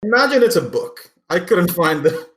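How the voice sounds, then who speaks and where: A man acting as game master, narrating a tabletop game in a halting, deliberate way. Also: high voice, big pitch swings, fairly bright tone.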